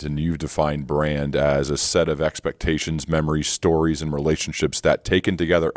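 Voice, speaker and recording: A man's voice: very deep voice, no echo, clean studio sound. A man interviewing a guest as podcast host, asking long, winding questions in a conversational style.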